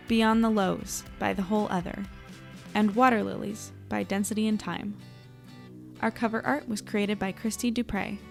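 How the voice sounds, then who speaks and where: A woman hosting a podcast, reading scripted closing credits in a clear announcing style. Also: mid-range voice.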